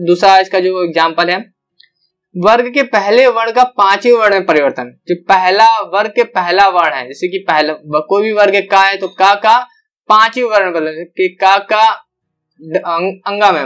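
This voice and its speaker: A young man teaching an online grammar lesson, explaining step by step and repeating each example with drawn-out syllables. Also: sits high, fairly bright tone.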